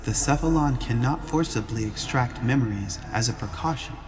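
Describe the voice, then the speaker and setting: A man's voice: mid-range voice, moderate pace, a little mellow, voice pushed up, lightly acted. Man acting as female AI avatar, polite, emotionless, precise formal phrasing, audiobook story, music behind. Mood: formal, detached. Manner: formal, precise, programmed delivery.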